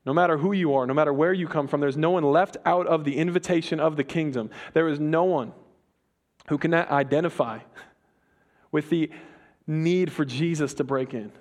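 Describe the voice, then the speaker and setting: Young male pastor, slightly high voice, casual conversational sermon delivery. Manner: casual, conversational preaching with quick asides.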